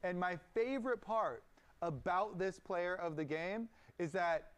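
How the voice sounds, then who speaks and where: A man's voice: sits high, a little slow, clean tone. A man doing conversational banter and analysis as an esports broadcast panelist.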